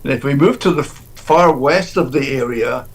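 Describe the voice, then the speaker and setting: A man, a deacon, answering interview questions in a halting way, often restarting and repeating words. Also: medium pitch, slightly rough.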